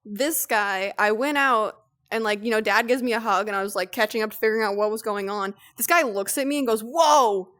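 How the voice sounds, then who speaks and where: A young woman co-hosting a casual stream, reading posts aloud and telling stories with lively, profane energy. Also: medium pitch, fairly quick, smooth. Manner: animated storytelling, swears freely. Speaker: streamer, co-host.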